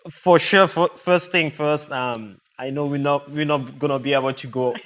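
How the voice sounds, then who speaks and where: A man's voice: a little high, steady tone, normal speed, a bit bright, rough recording. A man hosting a music podcast, asking his guest questions with enthusiasm. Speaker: podcast host. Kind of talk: interview questions.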